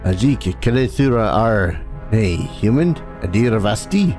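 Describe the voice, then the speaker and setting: A harsh, hostile alien creature from a video game, speaking telepathically as part of a hive, read aloud by a man. The voice sits low and is delivered flatly, without much put-on character. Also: measured pace, faint music behind. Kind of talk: reading game dialogue aloud.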